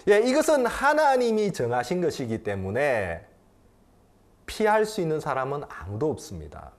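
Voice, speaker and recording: A man in his fifties, a pastor preaching a sermon, swinging from loud emphatic lines to quiet intimate ones and repeating phrases for emphasis. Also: fairly high pitch, wildly swooping pitch, moderate pace.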